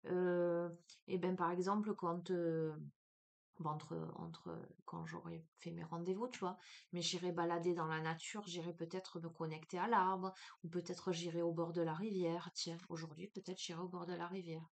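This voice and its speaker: A woman with a Marseille accent giving a spiritual card reading, talking casually and warmly to the listener with lots of fillers and restarts. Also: fairly low pitch, little pitch movement, normal speed. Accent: Marseille French. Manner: chatty, hesitant, many fillers, addresses listener as tu. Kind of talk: casual spiritual guidance talk.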